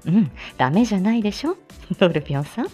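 A woman's voice: mid-range voice, expressive, fast, mellow, breathy edge, faint music behind. A woman hosting a casual live stream, chatting and laughing often as she reads viewer comments, with plenty of fillers. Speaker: live stream host and voice actor.

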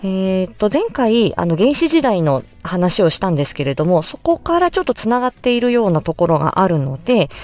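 A woman who works as a speech-language-hearing therapist hosts a podcast, explaining a topic politely and with measured pauses and frequent fillers. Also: mid-range voice, sing-song, a little mellow, soft background music.

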